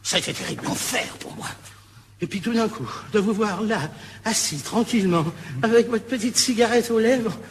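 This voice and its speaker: An actor playing a desperate middle-aged smoker who pleads and stammers in a comic sketch. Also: male voice, high voice, moderate pace, natural voice. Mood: pleading. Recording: old archive recording with reverb and faint noise.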